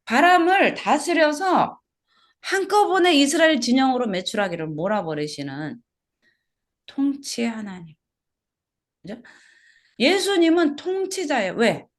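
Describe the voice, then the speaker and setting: A woman's voice: high-pitched, sing-song, measured pace, pauses often. A woman pastor preaching an expository sermon at a small church service, asking the congregation questions and repeating key words.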